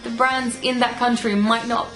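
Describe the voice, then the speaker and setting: A young woman from the Netherlands talks to her camera in a chatty, reflective way, her showing now and then. Her voice sits a little high for a woman. Soft music plays faintly behind her. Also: flat delivery, normal speed. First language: Dutch. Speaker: YouTuber. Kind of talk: casual talk to camera.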